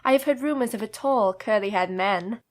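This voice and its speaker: An actress playing an earnest, sensible young woman in a stage radio play, speaking in a measured, gently wry way. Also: mid-range voice, no room sound, natural voice.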